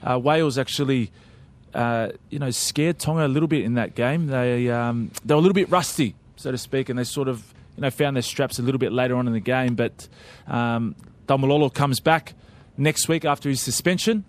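A man's voice: medium pitch, brisk. Easygoing man chatting about rugby. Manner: relaxed, lots of fillers. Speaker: co-host. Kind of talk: casual sports chat.

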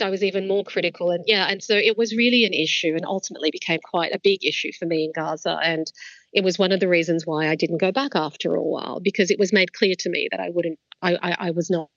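A woman's voice: on the low side, fairly bright tone, dry recording, dull audio. A woman who was a foreign correspondent, speaking candidly in an interview with many casual fillers. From Australia. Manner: candid, frequent "like" and "you know" fillers. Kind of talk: reflective interview answers.

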